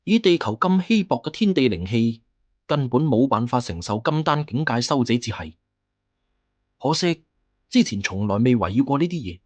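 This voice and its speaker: A man's voice: medium pitch, very animated, normal speed, darkish tone. A man with a Cantonese accent narrating a fantasy novel in a dramatic, scripted audiobook style.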